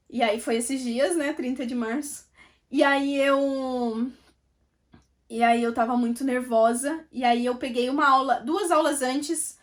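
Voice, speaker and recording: A woman giving an emotional personal faith testimony, chatting directly to her viewers. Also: sits high.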